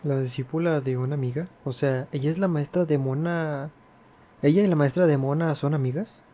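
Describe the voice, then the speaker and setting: Male let's-play host: fairly high, mellow tone, quick offhand reading of game dialogue, faint noise. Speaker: gaming video host.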